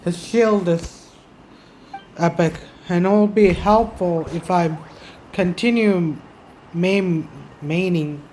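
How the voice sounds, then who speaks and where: A woman's voice: on the low side, slow, darkish tone, a little hiss or hum, poor audio. A woman giving casual gameplay commentary, thinking aloud in short reactions. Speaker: gaming streamer. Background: faint game music.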